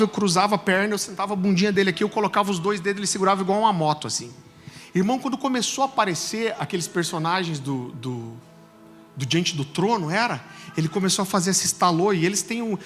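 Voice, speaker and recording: A Brazilian pastor in his forties preaching a sermon, telling jokey stories before turning soft and earnest. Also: sits high. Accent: Brazilian Portuguese. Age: 40s. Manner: animated, joking storytelling that turns soft and earnest. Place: church service. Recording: long church reverb with soft music.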